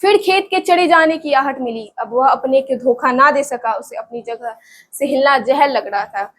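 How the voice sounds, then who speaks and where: A woman's voice: sits high, moderate pace, fairly bright tone. A woman teacher reading a story aloud for students, often breaking in to explain it in plain everyday speech and check that they follow.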